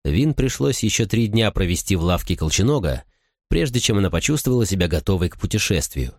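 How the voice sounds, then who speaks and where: A man narrating an audiobook in a steady, measured reading style. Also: on the low side, no room sound, clean studio sound. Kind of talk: scripted narration.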